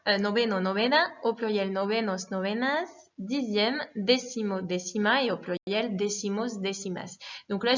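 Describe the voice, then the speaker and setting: A woman teaching a lesson in a patient, methodical way, repeating forms and pausing with fillers. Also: medium pitch, a bit bright. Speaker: Spanish teacher. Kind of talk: recorded classroom lesson. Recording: dull lo-fi recording.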